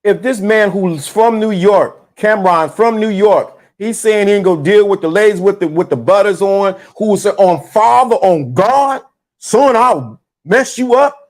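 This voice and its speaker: Man, high voice, loose slangy live-stream host who circles back on his points. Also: unhurried. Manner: loose, animated, repeats himself, slangy. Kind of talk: casual live-stream commentary.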